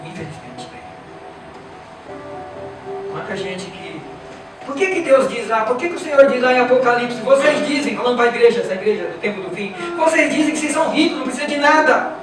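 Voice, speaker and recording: A man's voice: extremely high pitch, expressive, a little fast, recorded from a distance. A Brazilian man preaching a sermon with a Brazilian Portuguese accent, emphatic and repetitive, putting rhetorical questions to his congregation. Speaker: pastor. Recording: echoey church from afar with music.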